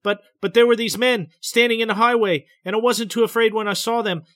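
A man voicing a frightened woman who relives a memory under hypnosis, speaking between sobs in a halting, stammering, breathless way. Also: sits high, a bit bright, no room sound, voice pushed up. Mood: trembling. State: sobbing.

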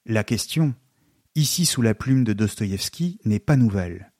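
A man giving a scripted educational narration, measured and explanatory, slowing down on key terms. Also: fairly low pitch, lively intonation, a little mellow, dry recording, clean studio sound. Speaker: literature and philosophy lecturer.

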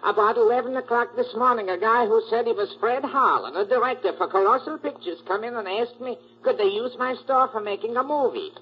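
A man's voice: very high-pitched, brisk, few pauses. A man playing a distraught, complaining jewelry store owner in an old radio crime drama, with plaintive broken grammar. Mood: explaining, agitated. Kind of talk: 1940s radio acting. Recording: muffled 1940s radio recording.

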